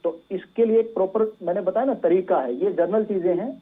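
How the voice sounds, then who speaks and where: The sound is narrow and phone-like, carrying a man's fairly high voice. He is a medical expert on a call-in show, explaining patiently and instructively. His speech is sprinkled with English medical terms. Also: brisk, slightly rough. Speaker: doctor, physiotherapy expert guest. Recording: thin phone-like band-limited line.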